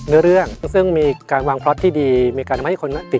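A man's voice with ordinary pitch variation, dry with no echo, over faint music in the background. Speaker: voice actor. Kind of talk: interview answer. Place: home room. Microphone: lapel.

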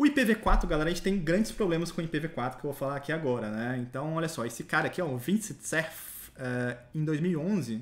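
In a normal speaking voice, a man talks at a fairly quick pace. His pitch is fairly high, with ordinary variation. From Minas Gerais, Brazil (Betim); Minas Gerais, Brazil. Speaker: network engineering instructor. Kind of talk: live online lecture. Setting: live stream. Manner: casual, slangy. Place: home room.

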